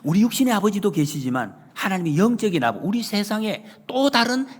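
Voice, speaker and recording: A male pastor preaching a Sunday sermon in a church, animated and emphatic, often acting out the lines he retells. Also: high-pitched, fairly quick, slight background noise. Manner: retells scenes with acted quotes. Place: church sanctuary. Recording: long hall reverb.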